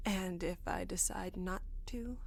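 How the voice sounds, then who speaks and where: A woman's voice: fairly low pitch, a little slow, vocal fry, a little hiss or hum. A woman playing a weary, sardonic, foul-mouthed space adventurer in naturalistic audio drama dialogue, wry and a little hesitant. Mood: uneasy.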